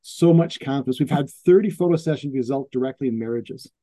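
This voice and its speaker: Male photographer, mellow tone, dry close sound, chatty storyteller who acts out the voices of the people he quotes. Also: medium pitch, brisk, dry recording. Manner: animated, acts out quoted voices, restarts often. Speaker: portrait photographer telling client stories. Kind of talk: casual storytelling in an interview.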